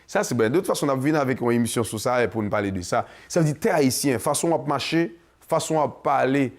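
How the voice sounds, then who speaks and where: This man hosts a community show, speaking at a quick pace with a medium-pitched voice and a Haitian accent. Talking to camera in a casual monologue, he moves passionately between French and Creole and sometimes sings.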